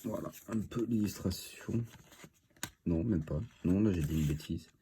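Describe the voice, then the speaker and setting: A deep, warm voice, unhurried and slightly hissy or humming, belongs to a card-opening video host. He has a cold that makes him sound stuffy, and he thinks aloud casually with many fillers while cracking open trading card boosters.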